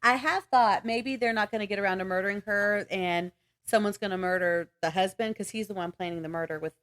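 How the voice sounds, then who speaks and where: A woman co-hosts a relaxed book podcast. Her voice sits at an average pitch for a woman. She talks in an informal, conversational way, using everyday slang. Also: brisk. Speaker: podcast co-host. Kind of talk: casual book chat.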